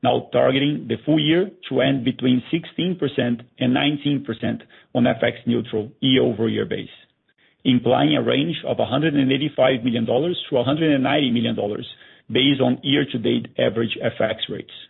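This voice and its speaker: A man with a gravelly, husky voice formally reading a scripted earnings presentation as a finance executive over a narrow conference phone line. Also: medium pitch, a little fast. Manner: formal, reading from prepared remarks.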